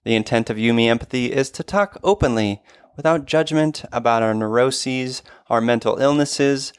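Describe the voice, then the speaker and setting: A man's voice: medium pitch, moderate pace, clean tone, no echo. A man hosting a podcast, reading his intro and chatting with a guest in an earnest, friendly way. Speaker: podcast host.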